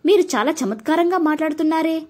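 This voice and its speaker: A woman voicing a young college girl in an audiobook story, lively and teasing. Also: sits high, quick pace, pitched above the performer's own voice. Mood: playful.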